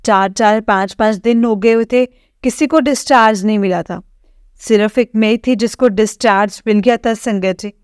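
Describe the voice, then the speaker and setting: A young woman from Jammu shares a personal testimony with a spiritual gathering. She speaks slowly in a smooth, clean voice, recorded close and dry. Her telling is halting, full of fillers and repeated phrases. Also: medium pitch, a little mellow, no echo. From Jammu, India. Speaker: devotee sharing testimony.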